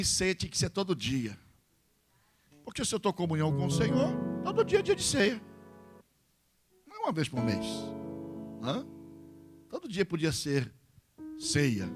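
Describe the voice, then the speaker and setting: A Brazilian man preaches to his congregation in a high, lively voice that leaps around, acting out little exchanges between church members. A guitar plays clearly behind him throughout the service. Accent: Brazilian Portuguese. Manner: tags lines with questioning "hã?". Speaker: pastor. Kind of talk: sermon. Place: church service with live music. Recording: church sermon over guitar music.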